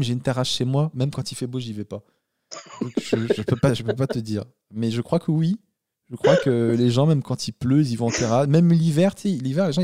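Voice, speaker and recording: A man's voice: medium pitch, warm tone, no echo, studio quality. A man hosting a casual chat, talking in a blunt, slangy way. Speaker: podcast host.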